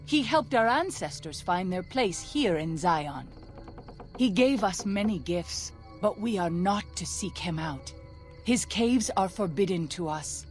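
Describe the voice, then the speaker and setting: A woman playing a solemn tribal midwife and scout in a video game, speaking formally and with measured, archaic phrasing. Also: lowish voice, animated, darkish tone, soft background music. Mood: reverent.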